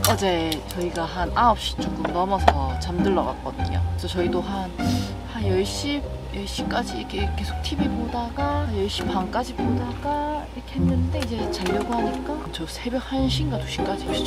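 A woman at a moderate pace over loud background music, the sound dry with no echo. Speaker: camping vlogger. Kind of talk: casual vlog chat. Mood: complaining, amused. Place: forest.

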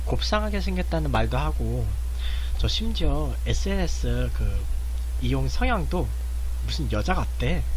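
The voice holds a monotone, flat intonation against light background noise. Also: man. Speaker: knowledge content creator and live streamer. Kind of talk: casual live-stream chat while eating. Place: home room. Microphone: studio mic.

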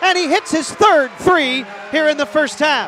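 This man's voice is raised and projected. Noticeable noise fills the background. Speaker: basketball play-by-play announcer. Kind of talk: live sports commentary. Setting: basketball arena broadcast, highlight video.

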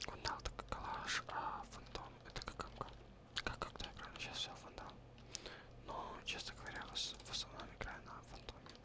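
A man whispering at a moderate pace, with long, frequent pauses. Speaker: ASMR gaming creator. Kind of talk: gaming commentary. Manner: whispered. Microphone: studio mic.

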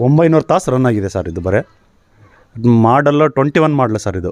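An unremarkable speaking voice from a man, medium in pitch with lively intonation, in a dry, close sound with no echo. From central Karnataka, Davanagere area. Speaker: second-hand tractor dealer. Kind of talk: product walkaround interview.

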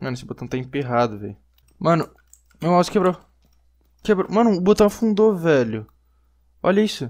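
Over a quiet background, a man speaks high and fairly quickly, with very wide pitch swings, big swings in loudness and long, frequent pauses. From Brazil. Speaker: gaming youtuber. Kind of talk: angry rant while gaming, frustrated over a broken mouse. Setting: home recording, gameplay commentary. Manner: exasperated, shouting, repeating 'mano' and 'velho' in disbelief. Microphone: headset.

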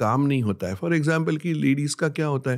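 This man has a fairly high pitch. The background is quiet. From India. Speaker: cancer surgeon. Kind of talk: interview. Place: studio. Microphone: studio mic.

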